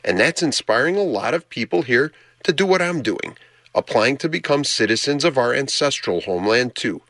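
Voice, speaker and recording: A man's voice: mid-range voice, a bit bright, no echo. A man from Chicago with a Chicago accent, whose first language was Greek, delivering a personal, conversational scripted radio news report.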